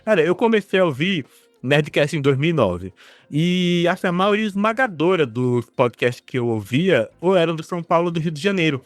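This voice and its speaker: A man with a Northeastern Brazilian accent, co-hosting a podcast in a relaxed, chatty way and swearing casually. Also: a little high, normal speed, dry recording. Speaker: podcast co-host.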